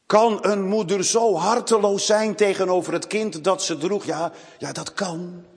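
A man's voice: sits high, steady tone, a little slow. A man preaching a sermon who often repeats the first word of a phrase. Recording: long hall reverb.

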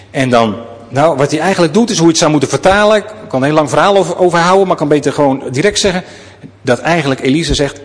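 A man preaching a sermon, telling the story in a lively way and speaking straight to his listeners. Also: fairly high pitch, in a large hall.

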